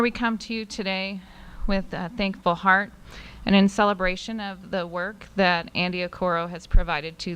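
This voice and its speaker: A woman with an American accent giving a public invocation in a measured way, pausing between phrases. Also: on the low side, fairly bright tone, clean tone. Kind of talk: public prayer. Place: indoor city council meeting.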